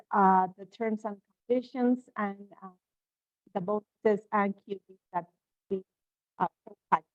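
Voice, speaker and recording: A woman hosting a live webinar, going through sales promotions quickly with frequent filler sounds over a video call. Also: medium pitch, no room sound. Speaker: host presenting promotions. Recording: tinny, dry call audio.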